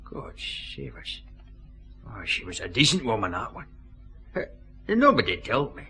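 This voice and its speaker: An actor playing a sly, easygoing jailed newspaper seller with a Scottish accent in a radio detective drama. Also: male voice, on the low side, wildly swooping pitch, a little slow, pushed and bright, faint music behind, exaggerated voice. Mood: wheedling. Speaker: small-time drunk informant.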